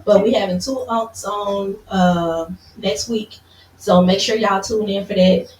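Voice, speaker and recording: A woman co-hosting a podcast in casual chat, playful and teasing as she gives shout-outs and announcements. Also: medium pitch, fairly even intonation, measured pace. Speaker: co-host. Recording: echoey room, distant mic, faint noise.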